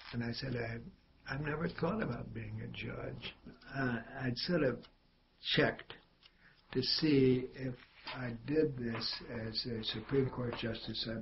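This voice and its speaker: A man speaks at a fairly slow pace with fairly even intonation, vocal fry, and long, frequent pauses over light background noise. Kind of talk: oral history interview answer. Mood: wry, dryly humorous. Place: office.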